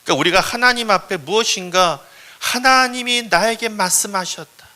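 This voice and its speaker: A male preacher giving a storytelling sermon in a church, animated and acting out the story. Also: sits high, moderate pace. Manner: animated, acts out voices.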